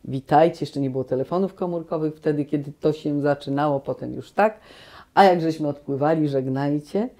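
Low, mellow-voiced woman telling stories. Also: brisk. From Poland. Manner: animated storytelling with many restarts. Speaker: guest actress. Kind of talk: relaxed reminiscing conversation. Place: small cozy room, indoors.

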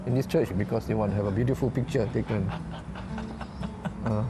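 Middle-aged male priest from Singapore, measured and earnest, church interior, noisy lapel recording. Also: fairly low pitch, steady tone. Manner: earnest, measured, with frequent "uh" and "yeah". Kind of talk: interview answers in English. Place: inside a large church.

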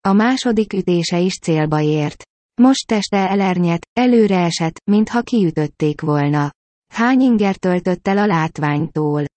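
Female audiobook narrator, low dark voice, dry close-miked read, measured with tense peaks. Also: dry recording. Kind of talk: first-person audiobook narration.

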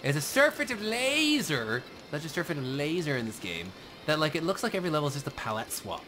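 A man's voice: a little high, very animated, a little fast, music in the background. A young man co-hosting a gaming video, chatting casually and riffing with jokes and wordplay while watching an arcade game. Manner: jokey, riffing, playful wordplay. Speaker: co-host of a gaming show. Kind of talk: casual let's-play banter.

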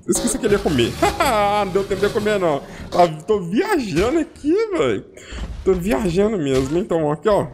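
A man with a Brazilian Portuguese accent giving casual gameplay commentary, chatty and excitable, repeating words in quick bursts. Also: sits high. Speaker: gaming channel host. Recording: voice over game music and gunfire.

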